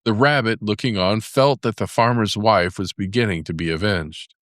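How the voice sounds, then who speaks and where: Low-voiced man narrating a fairy tale. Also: a bit bright, dry recording, studio quality. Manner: measured storytelling with character voices for dialogue.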